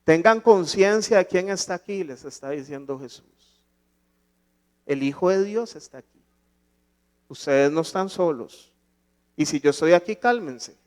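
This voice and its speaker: A man's voice: on the high side, lively intonation, unhurried, long pauses, a little mellow. A man pastor preaching a sermon in a church, asking rhetorical questions and rising to emphatic points.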